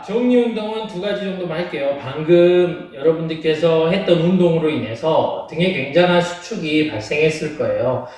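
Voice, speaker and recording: Male home-workout instructor, fairly high voice, courteous and encouraging explanations, distant roomy sound. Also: a little mellow. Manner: polite, encouraging, checks in with followers. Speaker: home training fitness instructor. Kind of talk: exercise class instruction, explaining to viewers. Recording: very echoey room, distant from mic.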